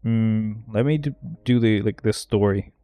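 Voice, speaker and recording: A man's voice: lowish voice, measured pace, warm tone, clear, resonant tone, no echo. A man live-streaming a game, chatting casually with his viewers, joking and rambling and laughing at his own bits.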